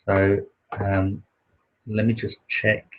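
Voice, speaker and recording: A soft-spoken man with a naturally quiet voice, hosting a livestream and slowly reading a spiritual text, with many pauses and fillers. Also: lowish voice, flat delivery, background noise. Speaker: livestream host reading aloud. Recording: dull lo-fi livestream audio.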